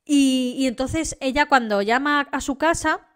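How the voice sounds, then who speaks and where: A young woman from Spain tells a true crime story in a casual, chatty style. She sounds openly indignant and speaks straight to her audience. Her voice sits a little high. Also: measured pace, fairly bright tone. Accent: Spain Spanish. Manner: indignant, chatty, addresses viewers directly.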